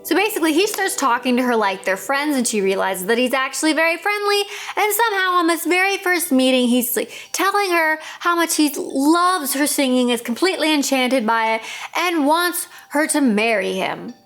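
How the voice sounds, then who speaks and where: A woman's voice: high voice, lively intonation, normal speed, a bit bright, soft background music. A woman hosting a storytelling video, chatting casually and animatedly as she retells a fairytale and acts out bits of dialogue.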